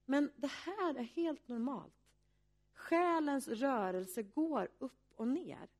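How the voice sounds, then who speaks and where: A woman's voice: high voice, lively intonation, a little mellow. Earnest woman pastor preaching. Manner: earnest, reflective preaching with pauses. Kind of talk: sermon.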